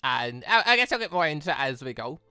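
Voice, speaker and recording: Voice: mid-range voice, big pitch swings, fast talker, bright, forceful tone, clear, resonant tone, dry recording. A gaming YouTuber giving casual, rambling let's play commentary in a chatty way.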